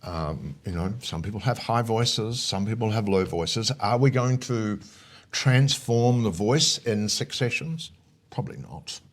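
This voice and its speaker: A man at a fairly low pitch speaks at a measured pace as a speaker coach and interview guest. In the conversational interview he explains his points emphatically, often punctuating them with short check questions.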